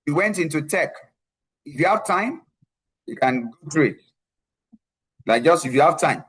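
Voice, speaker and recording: A man runs a live online career webinar, his voice sitting a little high for a man. He presses his points home and repeats key lines, often tagging them with a quick "right?" to check in with his viewers. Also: lively intonation, a bit bright, slightly rough. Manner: emphatic, repeats key phrases, frequent tag "right?". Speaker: tech career coach presenting a webinar. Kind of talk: live online presentation with screen share.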